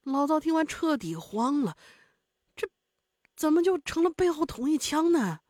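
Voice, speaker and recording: A woman's voice: sits high, very animated, normal speed, darkish tone, dry recording, clean studio sound. A woman narrating a spoken story, in a vivid and dramatic way.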